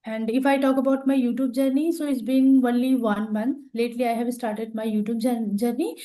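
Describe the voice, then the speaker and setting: A woman in her thirties speaks with an Indian accent and a somewhat high, mellow voice. She picks her words carefully and hesitantly, with many fillers along the way. It sounds like a relaxed English practice chat over a video call. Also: fairly quick. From northern India. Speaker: English learner. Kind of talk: casual practice conversation.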